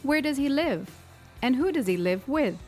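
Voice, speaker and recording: A woman's voice: high-pitched, expressive, moderate pace, darkish tone, faint music behind. Woman co-hosting a podcast. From United States. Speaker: podcast co-host. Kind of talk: English-learning podcast chat.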